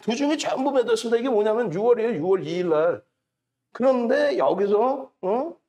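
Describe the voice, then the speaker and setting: A man's voice: very high-pitched, animated, brisk, a little mellow. A middle-aged man hosting a stock market show, lecturing on charts and stock prices in an emphatic way, repeating key numbers and mocking rivals.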